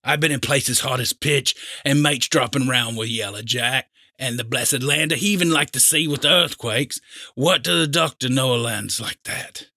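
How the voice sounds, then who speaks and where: A man voicing a feeble old seafaring pirate in an audiobook, pleading and agitated in rough sailor's dialect. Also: mid-range voice, sharp tone, dry recording, clean studio sound, pitched above the performer's own voice. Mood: indignant, cursing. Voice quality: weak voice. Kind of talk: audiobook character acting.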